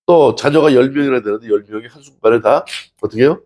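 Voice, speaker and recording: A man's voice: medium pitch, quick pace, a little mellow. A male pastor preaching a sermon in a conversational way, asking the congregation questions and acting out scripture dialogue. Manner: acts out dialogue from scripture stories.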